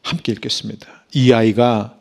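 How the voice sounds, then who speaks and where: Middle-aged man, pastor; raspy, gravelly tone, preaches with sudden hushes and loud, emphatic climaxes. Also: fairly low pitch, steady tone, normal speed. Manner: dramatic, swings from hushed whispers to loud emphatic bursts. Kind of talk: sermon.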